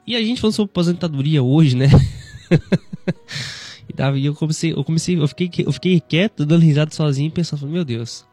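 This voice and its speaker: A Christian radio presenter in his thirties with a Brazilian Portuguese accent hosts a devotional talk, gently preaching in a conversational way and often ending lines with "né". His voice is on the high side and a little fast, over soft background music.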